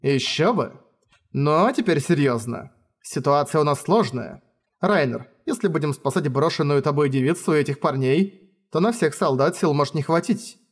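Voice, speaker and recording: A cold swordswoman, read by a man hands out blunt orders and flat threats. She is deadpan and stern, her voice slightly high. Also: moderate pace, breathy edge.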